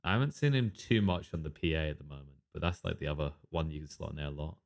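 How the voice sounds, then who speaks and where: Deep-voiced male esports caster. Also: gravelly. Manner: chatty, quick asides, filler-heavy. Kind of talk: live game commentary.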